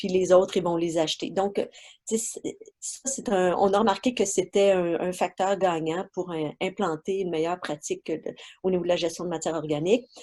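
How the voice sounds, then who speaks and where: With a Quebec accent, a woman speaks at a moderate pace and medium pitch in a dark, mellow tone, with ordinary pitch variation. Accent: Québécois French. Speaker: regional waste management director. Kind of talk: webinar presentation. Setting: video call. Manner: hesitant, many fillers.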